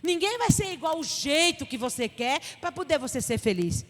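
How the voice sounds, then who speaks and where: A middle-aged woman pastor with a Northeastern Brazilian accent gives an animated, emphatic church Bible study talk. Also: high voice, moderate pace. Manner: animated and emphatic, acting out little dialogues. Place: church hall. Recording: reverberant church hall with faint noise.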